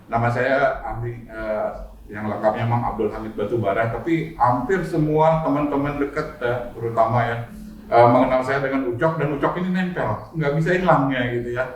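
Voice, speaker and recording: A man in his sixties from Bandung with a Sundanese accent, answering interview questions calmly with many fillers. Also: medium pitch. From Bandung, West Java. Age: 60s. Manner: many "eh" fillers, measured and friendly. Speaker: guest, former company president. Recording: roomy distant mic with faint noise.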